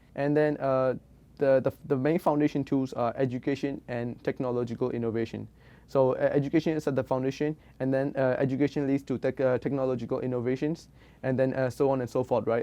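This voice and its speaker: A man speaks with a Burmese accent at a very fast pace. His intonation is monotone and flat. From Myanmar, Yangon. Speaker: community initiative founder. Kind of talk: interview. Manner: halting, many fillers and self-corrections.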